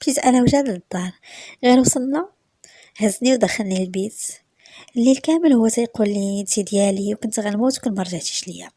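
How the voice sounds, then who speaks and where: Fast, soft-spoken Moroccan woman storyteller. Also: fairly high pitch, no echo. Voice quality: soft, often whispered delivery. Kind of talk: first-person story narration.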